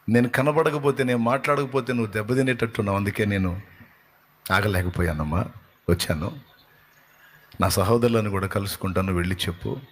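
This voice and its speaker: A preacher speaking as a gentle, consoling risen Jesus. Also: male voice, fairly low pitch, a little hiss or hum, close to an everyday voice. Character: risen Jesus, gentle and tender to a weeping woman.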